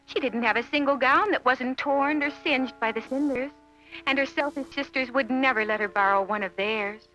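A woman narrating a children's fairy tale from a script in an expressive, measured storybook manner. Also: high voice. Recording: dull lo-fi audio, music behind.

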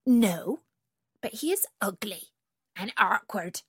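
Woman doing a spiteful farmyard duck, breathy. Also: medium pitch, animated, slow, fairly bright tone, no echo, clean studio sound, heavily acted. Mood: scornful.

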